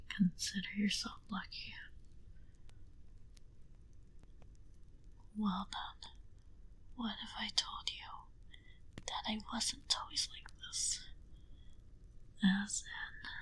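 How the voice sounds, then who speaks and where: A woman playing an aloof, condescending centuries-old vampire in an ASMR roleplay, speaking in a soft breathy whisper with slow, deliberate haughtiness. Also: mid-range voice, exaggerated voice, rough recording. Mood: teasing, confiding.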